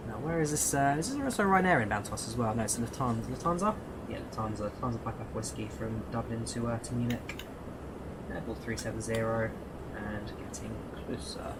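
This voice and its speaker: A man's voice: medium pitch, animated, brisk, very noisy. A man with an English accent giving casual live-stream commentary on a flight simulator, thinking aloud and answering chat viewers.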